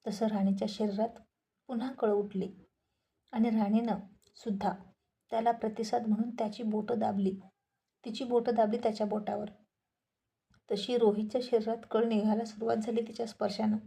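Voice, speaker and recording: A woman storyteller narrating a romantic serial story in a calm, measured way. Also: a little high, vocal fry.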